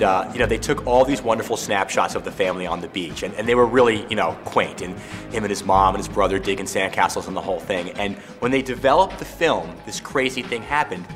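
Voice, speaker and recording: A game co-creator, a man, telling lively anecdotes in a documentary interview, with many "you know" fillers. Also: lowish voice. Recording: reverberant room with music underneath.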